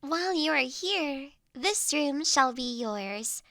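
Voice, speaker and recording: A woman playing a gentle, courteous young noblewoman who looks after the listener in an intimate roleplay audio drama, with soft, formal, old-fashioned phrasing. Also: high-pitched, lively intonation, takes it slowly, gravelly, no room sound, studio quality, exaggerated voice. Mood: caring, attentive. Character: gentle, courteous young noblewoman, doting new master of an automaton.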